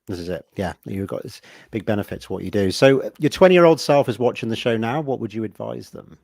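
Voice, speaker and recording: A man's voice: lowish voice, fast talker, creaky, darkish tone, dry recording, clean studio sound. A young man with a West Country English accent, hosting a podcast interview in a friendly, rambling way. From Southwest England. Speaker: podcast host. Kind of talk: casual interview questions.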